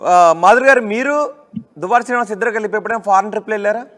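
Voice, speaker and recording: A man interviewing a guest on a news channel. He is brisk and rephrases callers' questions for the guest. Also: high-pitched, fairly bright tone.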